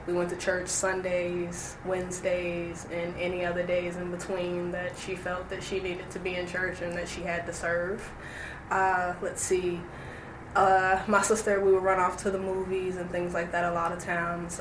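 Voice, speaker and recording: A young woman, recalling her early life in an oral history interview, reflective and hesitant with many fillers. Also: on the low side. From Roanoke, Virginia. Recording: echoey room with noise.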